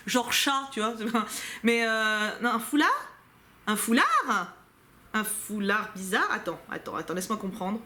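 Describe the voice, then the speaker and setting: A young woman with a French accent, chatting casually to her viewers as she unboxes a subscription box, giggling and breaking into quick asides. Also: sits high, bright, forceful tone, slight background noise.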